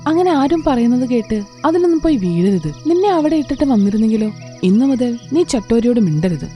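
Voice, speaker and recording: Woman as a scolding high-voiced mother bird. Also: very animated, a little fast, warm tone, soft background music. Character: stern, protective mother bird scolding her child. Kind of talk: children's cartoon voice acting.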